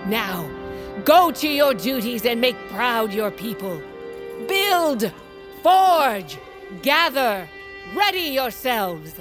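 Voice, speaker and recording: A woman's voice: a little high, big pitch swings, slow. An actress playing a stern, commanding tribal queen and mother who rallies her people with authoritative speeches. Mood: rousing. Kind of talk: fantasy audio drama acting. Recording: music bed behind voice.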